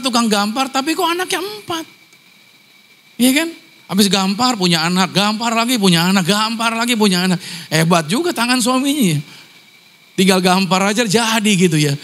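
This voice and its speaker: A man from Ambon preaching a sermon, animated and joking, acting out voices of other people. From Ambon, Indonesia. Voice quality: naturally high-pitched voice. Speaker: pastor.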